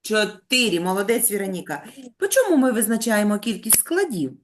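Woman teacher leading an online lesson for small children, lively rising and falling voice, gentle praise. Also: medium pitch, brisk. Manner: patient, coaxing, praises with pet names. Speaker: primary school teacher.

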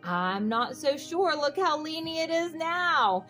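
A woman reads a children's book aloud in a fairly high voice. Her delivery is very unhurried and sing-song, with expressive phrasing aimed straight at young kids. Light music plays along.

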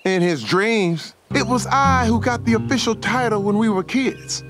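An actor playing a proud, boastful cartoon dad with an earnest way of talking. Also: male voice, high voice, normal speed, lightly acted. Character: proud, boastful dad on a family camping trip. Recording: music bed behind the dialogue.

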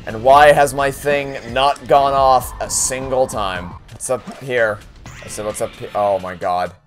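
Faint music plays behind a young let's play host as he offers profane, frustrated commentary on his game, full of sarcasm, exasperation and frequent complaints. He talks at a medium pitch and a little slowly.

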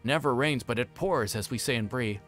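A man voicing a bustling, forgetful fat innkeeper in a storybook reading, rambling on in a hurried, folksy way. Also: mid-range voice, a bit bright, soft background music, lightly acted. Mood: flustered, friendly. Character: flustered, bustling, chatty fat middle-aged male innkeeper.

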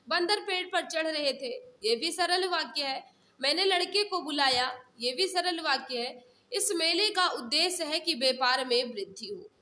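A woman's voice: sits high, bright, forceful tone. A woman teaching an online exam class, reading out questions and explaining answers, repeating key phrases for her viewers. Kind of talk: live mock-test lesson, reading questions and explaining answers.

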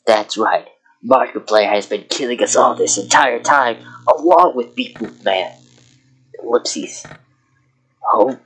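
A man's voice: medium pitch, takes it slowly, fairly bright tone, breathy edge, poor audio. A man playing a game with a friend, making mock-serious jokes in casual chat. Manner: mock-serious, jokey, breaks into laughter. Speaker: game player.

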